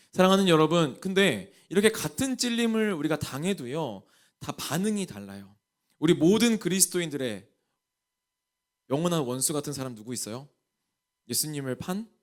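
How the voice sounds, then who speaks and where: A male pastor from Jeolla with a Jeolla accent, preaching a sermon to a young adults group and asking the congregation many questions. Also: sits high. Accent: Jeolla Korean. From Jeolla region, Korea.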